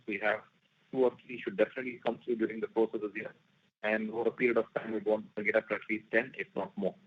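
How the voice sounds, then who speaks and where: A man's voice: mid-range voice, husky. Male executive on tinny phone line. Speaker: company executive moderating investor questions. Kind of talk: earnings call question and answer.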